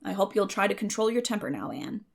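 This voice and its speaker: A woman's voice: medium pitch, animated, fast, vocal fry. A woman voicing a stern, no-nonsense older guardian, terse and moralizing, in a dramatic audiobook reading. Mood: severe.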